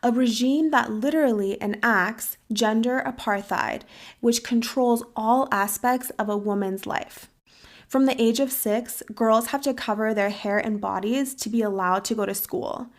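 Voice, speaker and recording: A young woman hosting a podcast, talking in an earnest, measured and serious way. She grew up in the United States and her first language was Farsi. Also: a little high. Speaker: podcast host. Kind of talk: earnest interview and commentary.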